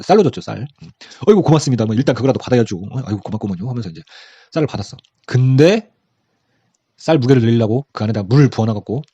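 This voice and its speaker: Fast-talking man giving a chatty history lesson. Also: medium pitch, dark tone, husky, no room sound, highs cut off. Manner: fast, chatty, acts out quotes with voices. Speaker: history lecturer. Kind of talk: casual exam-prep history lecture.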